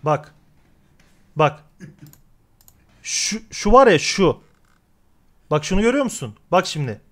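A man's voice: sits high, sing-song, slow pace. A man hosting a casual chat, playful and teasing, pointing things out to his co-host. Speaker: show host.

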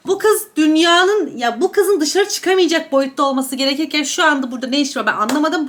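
A woman's voice: high-pitched, a bit bright. A young woman chatting casually while eating on camera, gossiping and gushing about celebrity outfits. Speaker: beauty and gossip YouTuber. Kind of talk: casual mukbang chat reviewing celebrity outfits.

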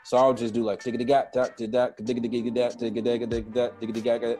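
Guy in his 30s on a video call, earbud mic, animated, talks about his kid, a little music in the back. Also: mid-range voice, rapid-fire. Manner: animated, scats drum rhythms and freestyles. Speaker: guest musician. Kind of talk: casual video-call chat. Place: home room with jazz tapestry and string lights. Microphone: earbud headset on video call.

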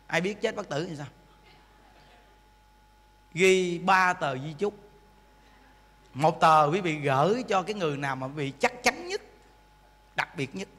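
Male monk, lively folksy sermon, high and bright voice, long reverb of a temple hall. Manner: animated, joking, acts out voices, asks the audience. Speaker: Buddhist monk teacher. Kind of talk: folksy dharma talk.

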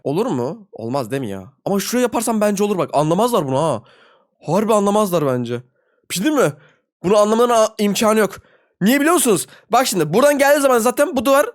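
Young man, rapid-fire gameplay commentary, animated pitch that jumps into high yelps when frustrated, slangy and excitable. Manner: talks to viewers and players in slangy banter. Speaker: gaming video host.

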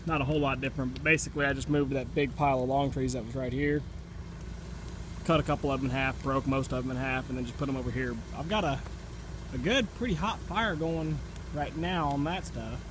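A man talking casually and plainly, with mild cursing, as he vlogs on a phone outdoors at a work site as an excavator operator. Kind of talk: casual unscripted vlog narration. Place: outdoors at a land-clearing site and in an open excavator cab. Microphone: handheld phone. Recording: loud engine and outdoor machinery noise. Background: vehicle engine rumble and outdoor noise.

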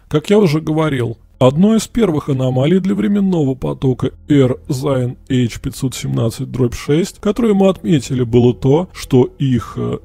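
Man reading an anxious male researcher, halting and apologetic, low gravelly tone. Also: mellow. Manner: halting, apologetic, full of restarts. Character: nervous stammering male scientist.

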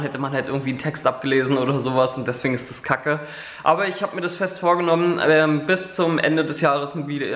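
A young man talks casually into a handheld camera at home, rambling along with plenty of fillers. His voice sits a little high. The room around him rings with a noticeable echo. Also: a bit bright. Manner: rambling, filler-heavy, chatty. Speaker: vlogger. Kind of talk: casual daily vlog chat. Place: living room at home, indoors. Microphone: camera held at arm's length.

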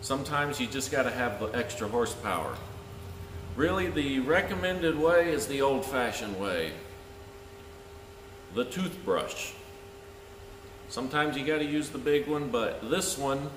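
A man in his thirties giving a measured, plain-spoken welding lesson to camera as the video's host, with pauses as he explains. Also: mid-range voice, expressive, fairly bright tone. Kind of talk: instructional talk to camera. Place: large metal-walled welding shop, indoors. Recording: echoey workshop with clear background noise.

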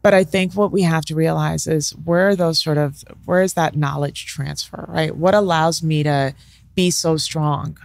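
A woman's voice: low-pitched, steady tone, moderate pace, gravelly, dry recording. A middle-aged woman, a negotiation professor, talking reflectively as an interview guest on a studio mic, often checking in with "right?". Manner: thoughtful, peppers talk with "right?" and "sort of". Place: bright studio with leather armchairs. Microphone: studio mic on boom arm.

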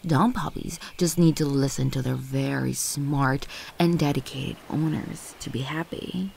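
A woman playing a possessive, manipulative ex-girlfriend in an ASMR audio roleplay, condescending and volatile, with teasing, lingering, breathy delivery. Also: rumbling low, steady tone, a little slow, a little mellow, full character voice. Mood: cooing, controlling. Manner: condescending, teasing, lingering on words, often breathy half-whispers.

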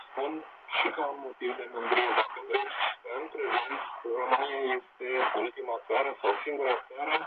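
A man's voice: mid-range voice, steady tone, narrow, tinny audio. A man giving a formal public speech, heard over shortwave radio. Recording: thin, very noisy shortwave radio reception. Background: loud shortwave static.

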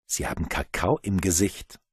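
A man's voice: deep voice, normal speed, breathy edge, no echo, studio quality. A man voicing a friendly, thankful young mother at a Christmas party. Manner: warm, thankful.

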